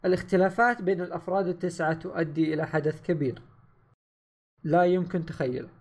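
A man with a gravelly, fry-laden voice. He talks quickly in a casual podcast chat. He teases his co-host and gives his opinions bluntly. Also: high voice.

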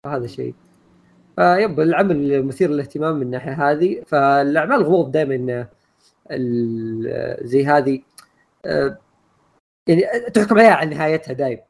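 A man co-hosting a casual podcast chat, rambling quickly through his opinions with many fillers. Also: on the high side, animated, gravelly. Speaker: podcast co-host.

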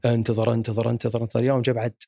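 A man's voice: medium pitch, level tone, rapid-fire, creaky, mellow, no echo, studio quality. A man with a Saudi accent, narrating a crime story in a chatty, rambling way. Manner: chatty and rambling, with frequent restarts and fillers. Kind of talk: casual storytelling.

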